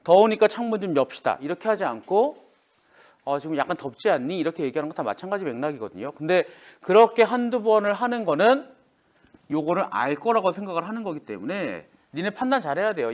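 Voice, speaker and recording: This is a lively, informal classroom lecture from a man with a high-pitched voice who speaks quickly. He acts out quoted lines for his students as he teaches.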